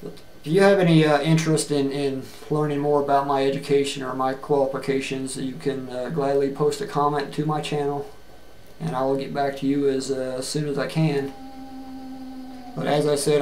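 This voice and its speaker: A middle-aged man giving a plain-spoken, earnest video resume, halting often with fillers and restarts, recorded on a webcam in a small room. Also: medium pitch, level tone, a little mellow, a little hiss or hum. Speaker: job seeker. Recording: echoey room with faint ambience.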